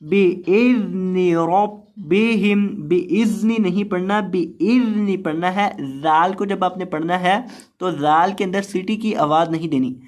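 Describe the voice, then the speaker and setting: A man with a South Asian Urdu accent teaching Quran recitation with tajweed, spelling out letters and vowels, then chanting the verses in long drawn-out tones between quick explanations. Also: high-pitched. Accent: Urdu-speaking South Asian.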